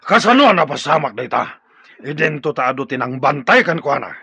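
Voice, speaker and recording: An actor playing a stern, hot-tempered tribal chief and father in an Ilocano radio drama, with a raspy, forceful, commanding voice. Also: on the high side, big pitch swings, a little fast, no echo, exaggerated voice. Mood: urgent, demanding. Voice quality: gravelly, raspy.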